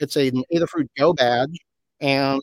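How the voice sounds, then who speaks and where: The sound is dry and close, with no echo, and the intonation is fairly even. It is an unremarkable speaking voice. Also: man. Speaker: software consultant and open source maintainer. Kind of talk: interview answers.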